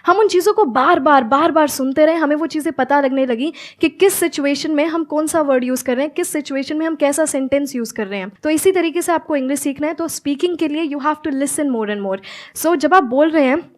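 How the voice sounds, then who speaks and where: High-voiced young woman speaker mixing English. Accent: Haryanvi Hindi. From Haryana, India. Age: 20s. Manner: mixes Hindi with clear, slow English phrases. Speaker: motivational speaker and English teacher. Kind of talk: stage conversation with audience questions.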